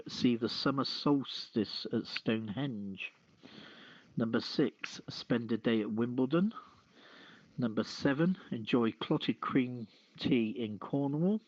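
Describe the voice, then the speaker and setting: A man hosting a podcast, reading aloud and chatting casually in a halting, list-like way. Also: medium pitch. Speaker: podcast host. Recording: muffled lo-fi audio, roomy echo.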